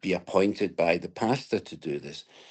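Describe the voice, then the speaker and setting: A man speaks with a Scottish accent at a moderate pace. The background is quiet. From Scotland, Glasgow. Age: 60s. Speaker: interviewee sharing faith journey. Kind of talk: interview testimony.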